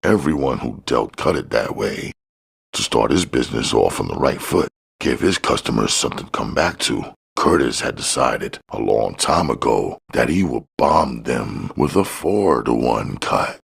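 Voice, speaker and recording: A man's voice: very deep voice, expressive, measured pace, creaky, breathy edge. A man reading crime fiction aloud as scripted audiobook narration.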